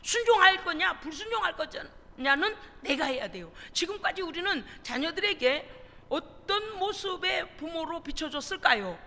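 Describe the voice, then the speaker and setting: A woman's voice: very high-pitched, expressive, moderate pace, bright, forceful tone. A woman pastor preaching a sermon in a church, earnest and full of rhetorical questions. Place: church sanctuary. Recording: reverberant church hall, faint noise.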